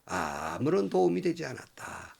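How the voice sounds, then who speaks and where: A gravelly man's voice full of sarcasm, reproaching friends who failed to comfort him, put on by a preacher. The tone is bitter and mocking, spoken quickly in bursts. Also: a little high, huge pitch swings, darkish tone, pitched above the performer's own voice, full character voice. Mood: bitter sarcastic. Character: bitter, sarcastic suffering man answering his friends.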